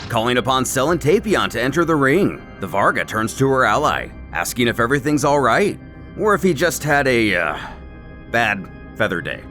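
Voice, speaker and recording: A man's voice: medium pitch, very animated, moderate pace, fairly bright tone. A man giving a scripted story narration in a wry, playful, dramatic way. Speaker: narrator of a comic recap series. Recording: music under the voice. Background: background music.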